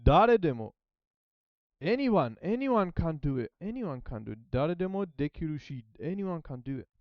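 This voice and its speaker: Non-native male learner thinking aloud, slightly high voice, dry and muffled. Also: sing-song, moderate pace, no echo. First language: not Japanese. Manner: hesitant, repeats phrases while translating. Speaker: language learner. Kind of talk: casual study vlog, thinking aloud.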